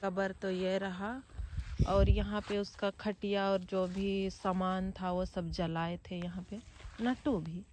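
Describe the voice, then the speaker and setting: A young woman speaks in a low, grieving tone, her pitch staying flat and even. She talks slowly and quietly as a vlogger, recorded outdoors with a faint hiss of noise. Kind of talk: personal vlog talk. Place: outdoors at family graves by home.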